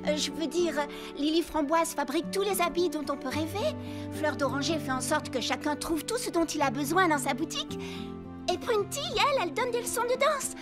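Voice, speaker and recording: A woman's voice: extremely high pitch, animated, a little fast. A woman voicing a cheerful, polite and eager girl who helps others, in a children's cartoon dub. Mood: hesitant, earnest. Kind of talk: animated children's cartoon dubbing. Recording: music bed behind the voice.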